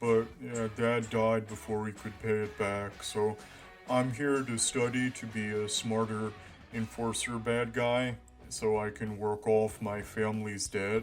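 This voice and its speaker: Over clear music in the background, a man puts on a character voice at a medium pitch. He speaks at a fairly slow pace. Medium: audio drama. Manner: casual, unsure.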